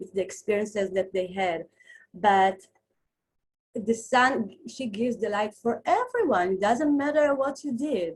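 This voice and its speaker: A woman's fairly high, somewhat breathy voice with an Israeli accent, fairly slow in pace, with lively intonation. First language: Hebrew. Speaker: near-death experiencer, former lawyer. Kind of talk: interview. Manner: halting.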